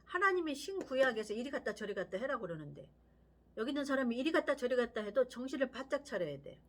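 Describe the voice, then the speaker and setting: An older woman preaches with a high voice that leaps up and down dramatically. She tells stories with vivid energy and drops into hushed whispers to drive a point home. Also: quick pace. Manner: animated storytelling, dropping to whispers for emphasis. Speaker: pastor. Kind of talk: sermon.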